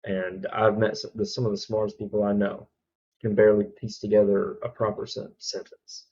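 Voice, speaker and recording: Low gravelly Southern-accented man. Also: completely flat delivery, a little mellow, muffled recording. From Alabama, US Southern. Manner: halting, many ums and restarts. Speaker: reaction video host. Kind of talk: casual commentary reacting to a video.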